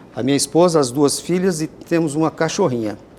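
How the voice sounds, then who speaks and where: Moderately paced male speech with lively intonation, noticeable background noise behind it. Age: 50s. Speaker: appellate judge. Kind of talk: oral history interview. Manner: halting.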